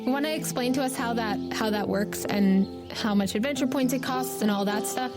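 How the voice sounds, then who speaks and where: A woman's voice: a little high, moderate pace, loud music behind the voice. A woman game master narrating a tabletop game in a casual, conversational style.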